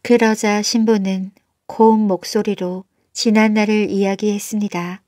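Female storyteller, scripted bedtime tale, mid-pitched voice, dry recording. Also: level tone, a little slow, darkish tone, dry recording. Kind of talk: scripted bedtime folktale narration.

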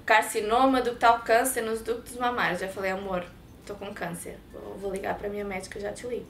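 A woman in her thirties with a European Portuguese accent, telling her personal story in an expressive, hand-gesturing way in a sit-down studio interview on a lapel mic. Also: mid-range voice, brisk, reverberant, a little hiss or hum. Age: 30s. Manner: expressive, talks with her hands. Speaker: interview guest. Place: bright studio set with sofa and shelves.

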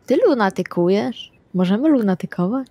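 A woman's voice: mid-range voice, animated, moderate pace, mellow, dry recording. A woman playing a blunt, chatty female vampire in an improvised tabletop roleplay. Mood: musing.

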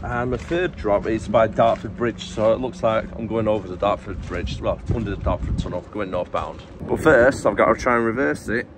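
A man's voice: lowish voice, normal speed, hardly any pauses. A young man, talking himself through reversing his lorry as he vlogs from the cab. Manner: talks himself through manoeuvres, relaxed and chatty. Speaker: truck driver vlogger. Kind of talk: casual running commentary while driving. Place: cab of a lorry, outdoors in industrial estate. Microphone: camera on the cab door filming him. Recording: loud engine and street noise.

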